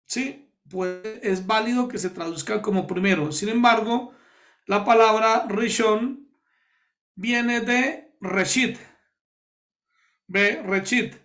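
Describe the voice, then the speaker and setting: A pastor from Colombia leading a Bible study, explaining words slowly and repeating key terms to his listeners. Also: high voice, a bit bright, soft background music.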